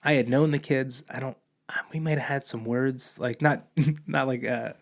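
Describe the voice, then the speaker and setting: A man's voice: mid-range voice, fairly even intonation, normal speed, gravelly. A man, a police officer and podcast guest, telling a long personal story in casual conversation, rambling with many restarts and acting out quoted dialogue.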